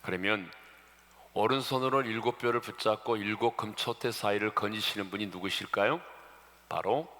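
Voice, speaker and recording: Preaching in a church sanctuary with long reverb, a male pastor speaks in a lowish voice that sounds pushed and bright. He addresses the congregation often and slips in jokes about regional dialects between his points.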